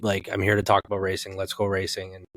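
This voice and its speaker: A man's voice: sits low, completely flat delivery, quick pace, a bit bright, no room sound, low-quality recording. A man co-hosting a podcast, chatting casually about sports in a colloquial, rambling way and slipping into imagined quotes. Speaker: podcast co-host.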